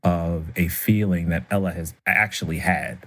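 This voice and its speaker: A man co-hosting a casual talk show in a very low voice. It has a husky edge, yet his delivery is smooth and radio-like. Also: fairly even intonation, normal speed, fairly bright tone, soft background music. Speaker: podcast co-host. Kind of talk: casual conversation.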